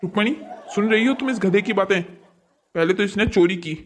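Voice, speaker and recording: A man's voice: sits high, moderate pace, a faint crowd, slight background noise, close to an everyday voice. A man voicing a stern, exasperated father who scolds sarcastically in a cartoon moral story. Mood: outraged.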